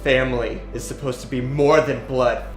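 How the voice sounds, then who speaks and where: A man's voice: mid-range voice, fairly even intonation, moderate pace, close to an everyday voice. An actor playing a hurt, skeptical young gay man in a short film drama. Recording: film audio with music underneath.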